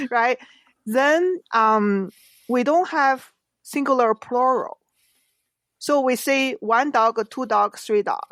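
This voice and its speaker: A woman's voice: high voice, slow pace, long pauses, fairly bright tone, dry recording. Woman with a Chinese accent, dry sound. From China. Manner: earnest, explains with examples, non-native grammar. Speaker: author guest. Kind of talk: podcast interview.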